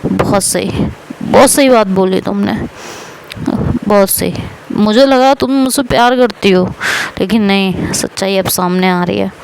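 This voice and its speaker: A woman's voice: mid-range voice, measured pace, vocal fry, a little mellow, a little hiss or hum, poor audio. A woman storyteller voicing a hurt, strong-willed young woman who argues with her partner. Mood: bitter hurt. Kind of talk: audio story role voicing.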